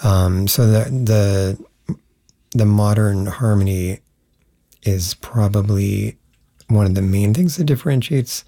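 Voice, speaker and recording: A man's voice: lowish voice, dark tone, breathy edge. A man answering interview questions as a musician, explaining thoughtfully and searching for his words. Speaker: guitarist and guest musician.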